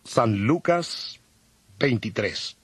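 A man reading scripted Bible narration in a formal, measured, solemn manner. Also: medium pitch, animated, husky.

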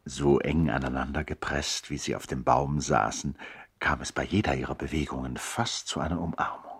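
An actor narrating a radio play as a reflective brother telling a tale in a measured, literary way, with a husky voice. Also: male voice, very deep voice, steady tone, heavily acted. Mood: tender, reflective. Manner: measured storytelling.

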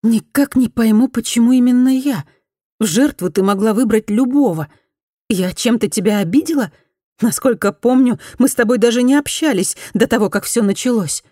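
A guarded young bar worker, played by a woman reader answers in short, sharp, defensive lines. The voice is mellow and dark in tone and sounds dry and close. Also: on the high side, moderate pace, dry recording, voice pushed up, close to an everyday voice. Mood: questioning.

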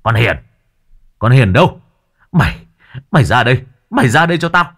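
A man voicing a hot-tempered middle-aged father, barking gruff shouts. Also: medium pitch, wildly swooping pitch, quick pace, no room sound, clean studio sound, voice pushed up, full character voice. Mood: raging.

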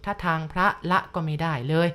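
A woman telling a first-person ghost story at a slow, confiding pace, speaking straight to the listener. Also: fairly bright tone.

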